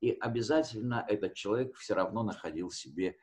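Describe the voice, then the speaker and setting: A man's voice: fairly low pitch, brisk, a little mellow. A man teaching history conversationally, explaining with hesitations and rephrasing his key words as he goes.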